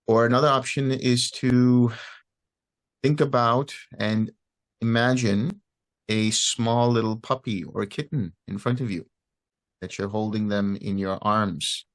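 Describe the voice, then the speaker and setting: A man leads a guided meditation in a fairly low voice. He talks very slowly and gently, pausing between short phrases as he gives each instruction. The sound is dry, with little room around it. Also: dry recording. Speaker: meditation teacher.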